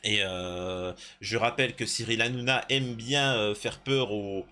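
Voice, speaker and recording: A man's voice: fairly low pitch, fairly even intonation, unhurried, sharp tone, slight background noise. A man reading a news article aloud and breaking off into rambling, indignant asides to his viewers, with many hesitations. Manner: indignant, talks to viewers directly. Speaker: YouTube news commentator.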